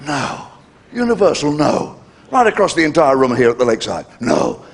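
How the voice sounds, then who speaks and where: An older man doing a live stand-up comedy routine, brash and cheeky, with sudden jumps in pitch for punchlines. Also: wildly swooping pitch, normal speed, creaky, slight background noise. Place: live venue with audience laughter.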